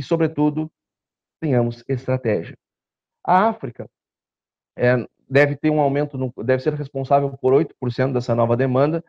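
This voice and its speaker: A man in his thirties delivers an animated seminar lecture, gesturing as he walks through his slides. His voice is low and warm with a gravelly edge. It comes through a handheld mic on a dull, lo-fi room recording. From southern Brazil. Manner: animated, gestures while presenting slides, rhetorical asides. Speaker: chief economist giving a seminar talk. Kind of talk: conference lecture. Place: meeting room with projector screen, indoors. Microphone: handheld mic, filmed by a far camera.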